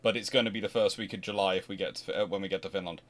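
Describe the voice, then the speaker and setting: A Scottish man hosts a casual livestream Q&A, answering viewer questions with a deep, rapid-fire voice. He rambles, corrects himself, often restarts sentences and throws in animated asides.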